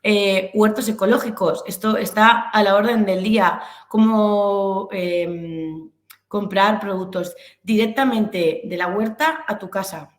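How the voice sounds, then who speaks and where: Slow and medium in pitch, a woman's voice carries a Castilian Spanish accent from Albacete, Castilla-La Mancha, Spain. She is a business instructor giving an informal online lecture as a webinar presenter, hesitating as she searches for words, in an echoey room.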